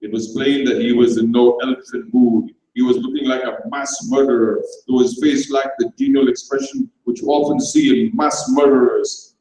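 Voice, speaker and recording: A man's voice: mid-range voice, mellow. An older man giving a theatrical, dramatized reading of a comic story on stage, with wry asides to the audience. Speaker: stage reader. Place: stage in a large hall. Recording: echoey hall, far from mic.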